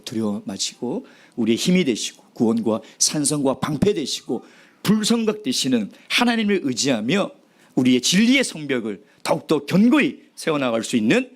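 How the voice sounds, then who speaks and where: A man's voice: medium pitch, normal speed. A man preaching a sermon as pastor, asking the congregation rhetorical questions and dropping now and then to a whisper. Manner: animated preaching with sudden drops to a whisper.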